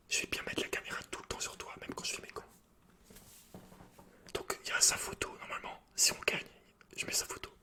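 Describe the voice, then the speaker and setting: A man doing casual, slangy ASMR gaming commentary as the host, swearing now and then.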